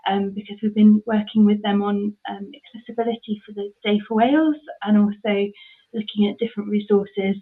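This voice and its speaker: This charity ministry worker, a woman in her 30s from mid Devon in England, answers questions about her charity work with frequent ums and false starts. She speaks fairly quickly in a mid-range voice with fairly even intonation, and the line sounds tinny, like a phone.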